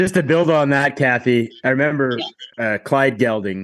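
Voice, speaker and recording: With an American accent, a man speaks at a moderate pace with lively intonation. He has an ordinary speaking voice, and the background is quiet. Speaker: podcast co-host. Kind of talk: casual chat. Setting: video call.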